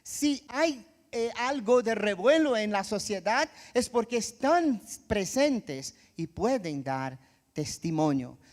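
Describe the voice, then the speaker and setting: A male pastor preaching a sermon, emphatic and reflective, pausing often with "eh" as he thinks. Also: sits high, expressive. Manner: reflective, with frequent "eh" pauses.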